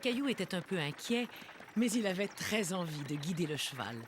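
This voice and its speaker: A woman voicing the gentle storyteller of a children's cartoon, reading scripted narration expressively. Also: lowish voice, animated, moderate pace, very noisy, lightly acted. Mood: warmly narrating. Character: gentle storybook narrator of a little boy's day. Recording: loud music behind the voice.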